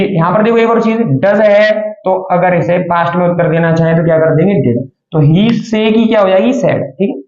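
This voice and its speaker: A man's voice: high-pitched, a little mellow, reverberant, lo-fi sound. A man teaching an English grammar lesson, asking questions and answering them himself and calling his students children.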